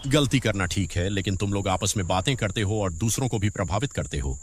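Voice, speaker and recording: A man's voice: lowish voice, lively intonation, brisk, slight background noise, lightly acted. A man voicing a stern military drill instructor who scolds and barks orders at trainees, in a dubbed drama. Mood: scolding. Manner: barking commands, sarcastic. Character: stern male drill sergeant, harsh and scolding.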